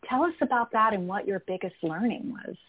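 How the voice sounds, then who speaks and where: A woman's voice: mid-range voice, lively intonation, a little fast, slightly rough. A woman hosting a radio interview show, asking her guest questions in an appreciative way. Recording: phone-line audio.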